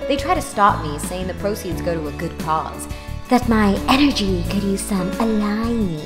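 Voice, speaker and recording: A woman's voice: medium pitch, expressive, normal speed, big-room sound, lightly acted. An actress playing a sarcastic, exasperated young college student who narrates her own story in an audio drama, wry and self-deprecating. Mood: sarcastic, irritated. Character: snarky, exasperated 24-year-old woman, broke college student. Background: music.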